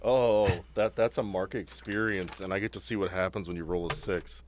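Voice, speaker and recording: A man's voice: low voice, a little fast, background noise. A man chatting casually as game master of a tabletop roleplaying podcast, talking players through rulings in an informal, joking way.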